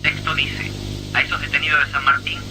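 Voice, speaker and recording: A curt police radio dispatcher over a noisy radio. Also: male voice, fairly high pitch, flat delivery, brisk. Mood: cold, commanding. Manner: formal radio protocol, spelling words out with a phonetic alphabet. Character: male police headquarters radio operator, curt and commanding. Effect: heard over a two-way police radio.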